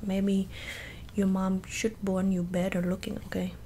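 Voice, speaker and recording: A woman's voice: medium pitch, completely flat delivery, measured pace, mellow, slight background noise, lightly acted. A young woman in an ASMR role-play, voicing a blunt, boastful makeup doctor with a put-on Asian accent and broken English. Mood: blunt, scolding. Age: young adult. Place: small bedroom indoors. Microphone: close desktop microphone with foam cover.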